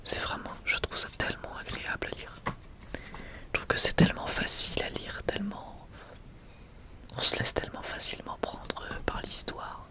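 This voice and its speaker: Soft whispered ASMR voice. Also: moderate pace. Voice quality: soft, breathy unvoiced whisper. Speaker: ASMR video creator. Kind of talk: whispered ASMR manga showcase.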